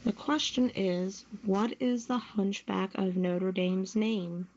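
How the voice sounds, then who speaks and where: A woman's voice: medium pitch, fairly even intonation, slow pace, a little mellow. A woman hosting a group podcast quiz, reading out questions and confirming answers. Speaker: quiz host. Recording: dull, lo-fi online audio.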